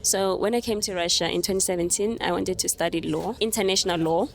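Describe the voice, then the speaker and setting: A young woman from Zimbabwe, answering interview questions in a thoughtful, soft-spoken way and laughing lightly now and then. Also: on the low side, fast, creaky. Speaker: interview guest. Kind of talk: casual conversational interview. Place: on a moving train.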